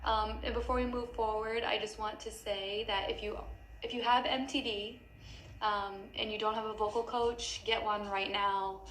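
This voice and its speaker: A woman's voice: mid-range voice, little pitch movement, moderate pace, fairly bright tone, slight background noise. Chatty woman in an echoey room. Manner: chatty, frequent fillers. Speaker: music teacher and singer. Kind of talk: casual advice to camera.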